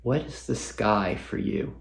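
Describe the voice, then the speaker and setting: A man leading a guided meditation as a guest teacher, speaking gently with long pauses and reflective questions. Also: lowish voice, creaky.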